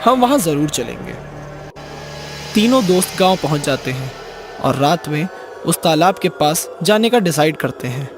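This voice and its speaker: Casting: male storyteller for cartoon horror, fairly high voice, scripted narration over clearly audible music. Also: expressive, normal speed. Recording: music behind the voice.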